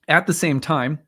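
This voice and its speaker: A man in his thirties or forties hosting an astrology livestream. He talks casually and rambles, with many fillers and restarts, and clears his throat now and then because his voice is strained and tiring. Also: on the high side, a bit bright. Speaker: astrologer, live stream host. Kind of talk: casual livestream talk and chart reading.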